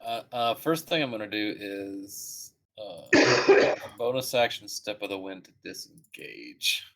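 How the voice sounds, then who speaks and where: A man's voice: fairly low pitch, big pitch swings, slow, fairly bright tone. A man playing a tabletop game, describing his moves with giggles. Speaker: player. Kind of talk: casual tabletop game chat.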